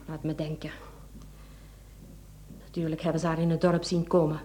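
An actress with a Flemish accent playing a cold, domineering, calculating wife in a radio play, commanding and clipped. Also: female voice, deep voice, level tone, normal speed, warm tone, close to an everyday voice. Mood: cold, scheming. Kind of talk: Dutch-language radio play acting.

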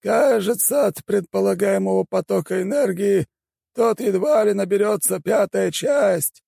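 A scheming old shaman elder for an audiobook, pitched far above his own voice, with gravelly fry and a husky, breathy edge. He drags his words out and swings widely in pitch, sounding dismissive. The recording is close and dry. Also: mellow, no echo, full character voice. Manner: drawn-out, strained high voice. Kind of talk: audiobook character voice.

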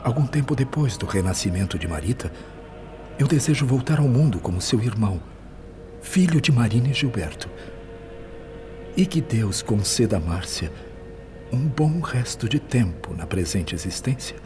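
A Brazilian man acting in a radio drama as a penitent, devoted benefactor spirit, pleading slowly and solemnly. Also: medium pitch, big pitch swings, natural voice. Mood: earnest, hopeful. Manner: solemn, slow, earnest pleading. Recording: music behind the voice. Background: music.

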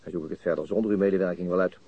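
An actor playing a calm, shrewd police detective, measured and understated, in a radio crime drama with muffled sound. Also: male voice, deep voice, breathy edge, dry recording. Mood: quietly insistent.

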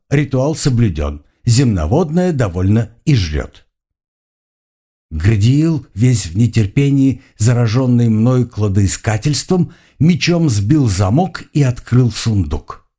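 A man's voice: medium pitch, takes it slowly, slightly rough. A man narrating a first-person adventure audiobook expressively. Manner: expressive, shifting voices for dialogue.

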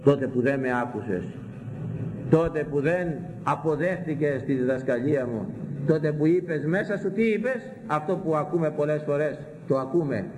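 A man preaching a sermon with fiery repetition, his voice leaping up into high exclamations. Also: darkish tone, big-room sound, low-quality recording.

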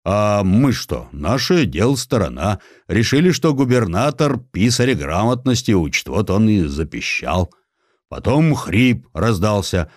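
A man's voice: lowish voice, big pitch swings, unhurried, no room sound, studio quality. A man voicing a simple, gossipy doorman who tells his tale in a folksy, colloquial way for a radio play. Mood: gossipy, mock-solemn. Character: folksy male doorman, gossipy simple servant telling tales.

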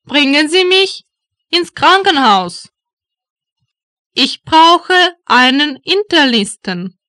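A woman reads out short German phrases for learners, each one spaced out and repeated. Her voice sits high and bright, with a lively rise and fall. The recording is dry and close. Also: no echo. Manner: deliberate, each phrase read twice. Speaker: German language teacher voice. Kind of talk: slow phrase drills for learners.

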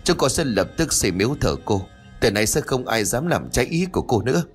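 A man's voice: mid-range voice, big pitch swings, fairly quick, faint music behind, close to an everyday voice. A man voicing a frightened old mother who begs a spirit tearfully for mercy. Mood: pleading. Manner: begging, tearful.

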